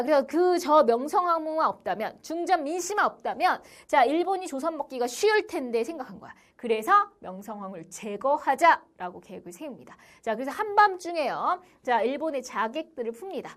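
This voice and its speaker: Woman, young adult, history teacher, online lesson, high voice, very lively intonation, constant "자" filler, acts out quotes. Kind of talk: online lecture for middle school students.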